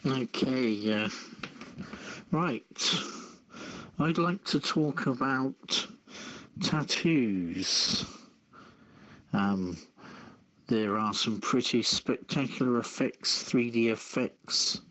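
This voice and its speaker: Slow, halting man hosting talk. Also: medium pitch, a bit bright, low-quality recording. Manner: halting, hesitant delivery. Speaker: radio show host. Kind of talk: unscripted call-in show hosting.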